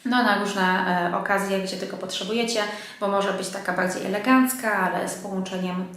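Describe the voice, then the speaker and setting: A Polish woman talks casually to her viewers in a very echoey room. Her voice sits at a medium pitch and sounds nasal, slightly blocked by a head cold, as if she were talking through a pinched nose. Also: steady tone, a little fast, fairly bright tone. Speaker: fashion vlog host. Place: indoors under artificial light.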